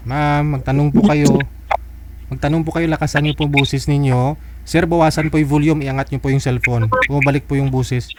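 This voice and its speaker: A man's voice: a little high, steady tone, fairly quick, noisy background. A man hosting a live call-in chat, politely steering callers and asking them to turn their volume down. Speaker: host of a live call-in matchmaking show. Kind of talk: casual live-stream chat.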